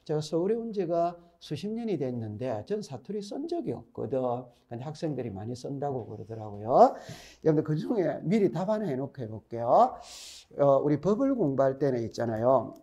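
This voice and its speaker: Middle-aged lecturer, Gyeongsang accent, lively up-and-down delivery, mellow tone, drills points by repeating them. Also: male voice, on the high side, brisk. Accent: Gyeongsang Korean. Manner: chatty, repeats key points, quizzes students. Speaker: exam-prep instructor. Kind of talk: recorded classroom lecture.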